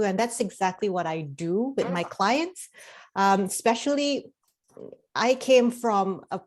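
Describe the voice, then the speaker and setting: A middle-aged woman from Indonesia speaks as a guest in a casual interview. She rambles a little, with frequent fillers and restarts. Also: on the low side. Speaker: life coach and hypnotherapist guest.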